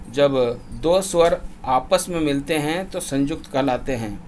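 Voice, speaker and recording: A man teaching a grammar lesson, who drills lists of vowels slowly and deliberately, repeating them in a chant so students can recite along. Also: on the high side, slight background noise. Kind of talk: classroom lesson.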